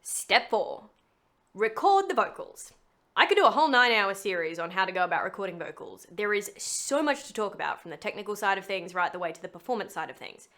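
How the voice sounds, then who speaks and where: A woman with a mid-pitched voice presents a scripted how-to. She is chatty and playful, slipping wry asides into her instructions as a voice actor teaching her craft. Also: very animated, fairly quick, a bit bright, soft background music. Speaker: voice actor giving a tutorial. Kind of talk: scripted tutorial narration.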